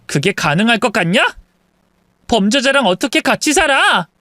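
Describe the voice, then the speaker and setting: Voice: mid-range voice, big pitch swings, normal speed, bright, forceful tone, dry recording, studio quality, voice pushed up. A reader voicing an angry young wife who accuses her husband's family of theft, in an indignant tone. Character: angry young wife confronting thieving in-laws.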